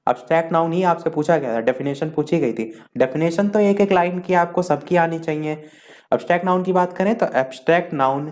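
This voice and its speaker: A man teaching an exam-prep English grammar lesson, explaining in Hindi and reading English definitions slowly. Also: medium pitch, darkish tone.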